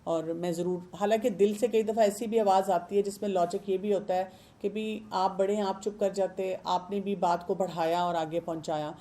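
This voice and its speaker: Woman, Pakistani Urdu accent, parenting expert, explanatory talk, English words mixed in, medium pitch. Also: fairly even intonation, dark tone. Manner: explains with questions and everyday examples.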